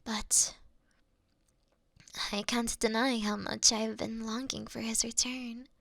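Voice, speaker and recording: A woman playing a mischievous, affectionate fox-spirit shrine priestess in an intimate roleplay, coy and teasing, often slipping into a breathy whisper. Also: a little high, little pitch movement, slow, fairly bright tone, no room sound, studio quality, heavily acted. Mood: tender, longing. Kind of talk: intimate roleplay ASMR acting.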